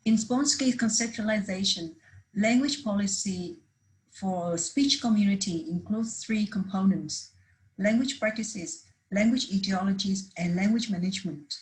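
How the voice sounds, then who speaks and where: A woman's voice: mid-range voice, unhurried, low-quality recording. A woman presenting a research paper at a conference, reading steadily from prepared slides with the odd restart.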